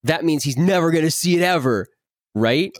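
A man in his twenties, a voice actor, chatting in an interview, animated and repeating words as he acts out quotes. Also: fairly high pitch, moderate pace, dry recording, studio quality. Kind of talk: casual interview chat.

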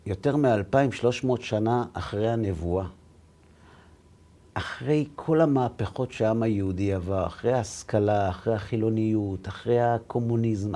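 A man, a rabbi and lecturer, telling stories in a conversation and acting out the dialogue with lively voices. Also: on the low side. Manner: animated, acts out dialogue. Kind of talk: storytelling in a conversation.

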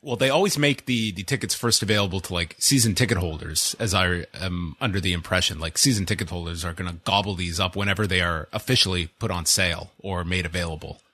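A man's voice: sits low, quick pace, few pauses, pushed and bright, no room sound. A man from Canada co-hosting a podcast, chatting casually with dry, sarcastic humor. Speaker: podcast co-host. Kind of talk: casual chat.

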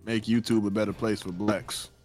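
A man's voice: lowish voice, steady tone, moderate pace, darkish tone, soft background music. A man with an African American English accent, chatting casually and jokingly as a podcast guest.

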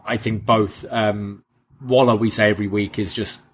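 A young man co-hosting a wrestling review, speaking in a relaxed, thoughtful way with frequent ums. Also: fairly low pitch, normal speed, breathy edge. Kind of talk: casual chat.

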